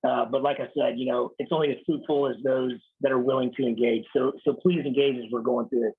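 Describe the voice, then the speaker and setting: Man: raspy thirties officer, blunt and casual, thin phone-like audio on a video call. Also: medium pitch, steady tone, fast talker. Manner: blunt, casual, swears lightly. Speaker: Marine Corps officer speaking to a unit. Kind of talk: informal leadership talk on a video call.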